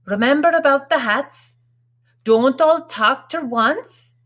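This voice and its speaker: Woman acting a bossy, fussing storybook mother, slow and high. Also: a bit bright. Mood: bossy, instructing. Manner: scolding, folksy ungrammatical speech. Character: bossy, fussing, proud working-class mother drilling her children.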